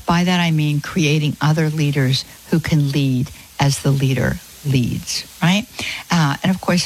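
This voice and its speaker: A woman's voice: low-pitched, a little hiss or hum, low-quality recording. A middle-aged woman hosting a live Catholic call-in radio show, speaking effusively with many fillers and restarts.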